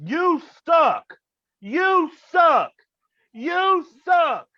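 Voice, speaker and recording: A woman's voice: extremely high pitch, big pitch swings, extremely slow, no room sound, full character voice. A woman playing a jeering wrestling fan, chanting repetitively in a staged reading. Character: jeering, heckling wrestling crowd member. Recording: dull lo-fi audio.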